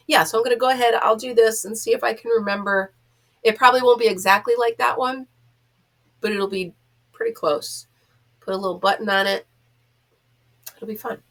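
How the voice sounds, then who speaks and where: A mature woman hosts a casual vlog in a mid-pitched voice. She sounds congested and nasal, as if pinching her nose. Her talk rambles along in a chatty, self-mocking way. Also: a bit bright. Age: middle-aged or older, a grandmother. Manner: rambling, self-deprecating, giggly. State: stuffed up from being sick. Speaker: host of a crochet vlog.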